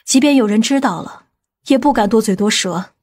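A woman playing a stern, commanding woman from a powerful family in an audiobook drama, speaking gravely and deliberately. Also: a little high, darkish tone, close to an everyday voice. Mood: assured, grave.

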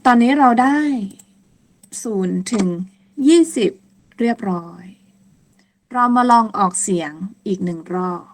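A language teacher with a medium-pitched voice leads a lesson on German numbers. She speaks slowly and patiently, saying every word several times over.

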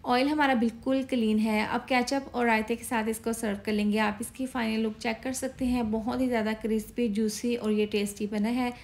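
A woman with a Pakistani Urdu accent, hosting a cooking channel and giving a steady, step-by-step recipe voice-over. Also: fairly high pitch, moderate pace, few pauses.

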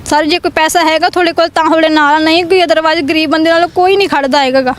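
Young woman, really high voice, talks fast and upset, repeats herself, faint traffic behind. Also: steady tone. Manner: urgent, aggrieved, repeats herself. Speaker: interviewee, complainant. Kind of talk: emotional interview testimony.

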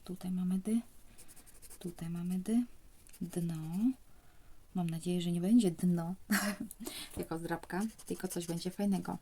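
Young woman, hushed casual commentary, mellow dark tone. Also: on the low side, fairly even intonation, normal speed. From Poland. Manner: speaks softly, often near a whisper. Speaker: vlogger scratching lottery tickets.

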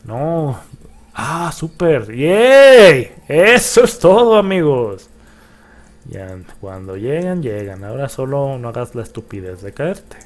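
A young man giving excitable let's play commentary, cursing and yelping at the game as he plays. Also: medium pitch, takes it slowly. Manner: excitable, swears and yelps at the game. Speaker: gaming YouTuber.

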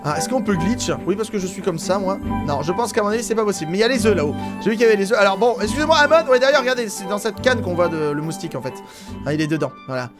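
French male let's-player, high voice, chatty and excitable, rambling casual commentary. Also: very fast, over music. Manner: chatty, excitable, thinks aloud with many fillers. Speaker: gaming YouTuber.

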